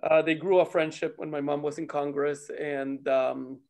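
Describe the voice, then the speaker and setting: A man's voice: on the high side, level tone, moderate pace, vocal fry, a little mellow, slight background noise. A man from Rica, chatting casually and telling stories in an informal, sweary way. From Costa Rica. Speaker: participant in an online table read gathering. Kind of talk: casual chat, animated storytelling.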